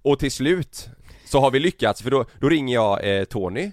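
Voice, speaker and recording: A man's voice: medium pitch, animated, dry recording, clean studio sound. A man in his thirties, a podcast host, telling a long anecdote in casual chat, laughing and acting out quoted lines.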